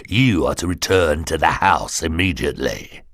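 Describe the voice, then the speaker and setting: A man voicing a cruel hook-handed henchman with a croaking voice in an audiobook, speaking in a low threatening whisper. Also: expressive, moderate pace, a bit bright, no echo, clean studio sound, exaggerated voice. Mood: sneering. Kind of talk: audiobook character voice.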